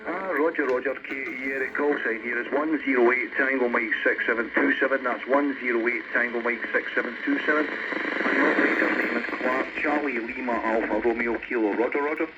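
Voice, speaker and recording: A man's voice: medium pitch, steady tone, a little fast. A man with a Scottish accent making casual contact as a CB operator, heard through a radio transmission. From Scotland. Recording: dull, noisy CB radio reception.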